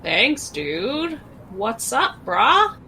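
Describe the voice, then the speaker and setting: A woman's voice: on the high side, very animated, drawn-out words, bright, forceful tone, heavily acted. A woman playing an easygoing, kind surfer-dude turtle doctor who talks in chilled-out slang, on a noisy recording. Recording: clearly noisy background.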